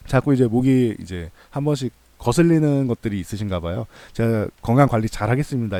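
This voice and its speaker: A man's voice: medium pitch, mellow, no room sound. A man hosting a stock analysis channel, explaining things in a casual, conversational and reassuring way, repeating points for emphasis. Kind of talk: casual explanatory commentary to viewers.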